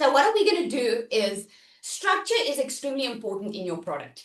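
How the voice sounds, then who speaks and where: With a South African accent, a woman speaks at a moderate pace in an animated tone, her high voice making very wide pitch swings. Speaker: online business coach. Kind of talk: live workshop teaching.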